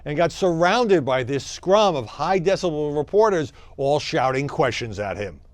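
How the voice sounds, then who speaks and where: A man giving conversational opinion commentary, halting at times and stressing key words. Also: a little high, expressive, no room sound. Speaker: media commentator.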